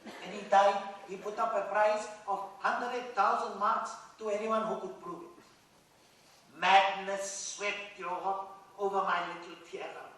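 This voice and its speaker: A man acting a vain, teasing dead mathematician in a dramatised play reading, lecturing theatrically with pauses. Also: high voice, level tone, a bit bright. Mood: storytelling, haughty. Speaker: stage actor. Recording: echoey hall, distant mic, faint noise.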